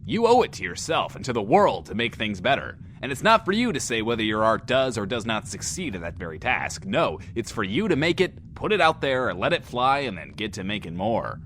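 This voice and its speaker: A man's voice: mid-range voice, sing-song, a little fast, hardly any pauses, a bit bright, a little hiss or hum. A man playing a brash, wry, theatrical post-apocalyptic radio show host in an audio drama. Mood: rousing. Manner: theatrical, sardonic.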